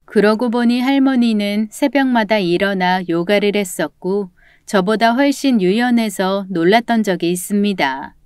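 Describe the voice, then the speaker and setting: Smooth-voiced woman narrating a story. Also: mid-range voice, normal speed, hardly any pauses, darkish tone, no room sound, studio quality. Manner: earnest, emotional first-person telling.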